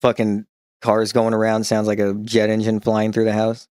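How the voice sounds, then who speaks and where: A man streaming in a casual chat, telling rambling, profane stories with frequent restarts and chuckling along, who picks up a slight New York twang when he gets excited. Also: on the low side, moderate pace, dry recording, studio quality. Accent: slight New York-style twang when excited.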